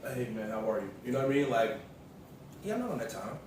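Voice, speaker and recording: A man's voice: medium pitch, big pitch swings, fast. American man, echoey and distant. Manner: slangy, repetitive, storytelling. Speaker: vlog co-host, the vlogger's partner. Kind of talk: casual vlog chat. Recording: roomy echo, distant mic, noisy background.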